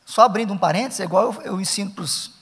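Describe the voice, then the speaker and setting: A man's voice: sits high, fast talker, a bit bright, slightly rough, in a large hall. A middle-aged man with a Brazilian Portuguese accent, lecturing Sunday school teachers at a church conference, emphatic and repeating his key points.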